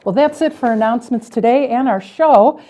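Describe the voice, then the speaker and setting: A woman's voice: a little high, moderate pace, warm tone. An American woman hosting a local television show, doing interviews and reading community announcements.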